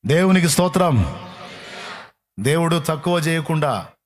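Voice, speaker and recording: A man's voice: on the high side, unhurried, slight background noise. A man preaching a sermon as pastor, repeating phrases and acting out prayers and dialogue. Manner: fervent preaching with repetition and quoted prayers. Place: church service.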